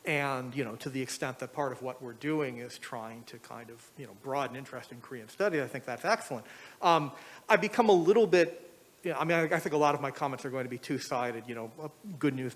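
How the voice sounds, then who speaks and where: Brief: middle-aged man, academic discussant, halting delivery with frequent ums and restarts. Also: mid-range voice. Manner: hesitant, many fillers and restarts. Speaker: discussant, professor. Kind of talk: academic panel remarks.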